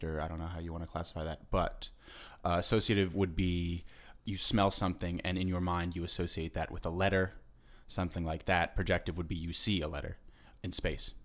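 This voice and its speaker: Deep-voiced laid-back male musician. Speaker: guest musician. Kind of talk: casual interview.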